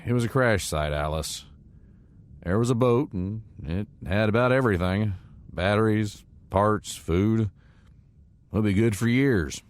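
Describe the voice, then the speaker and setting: A man's voice: lowish voice, measured pace, lightly acted. An actor playing a lonely, protective man long stranded as a castaway in an audio drama. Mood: relieved, guarded.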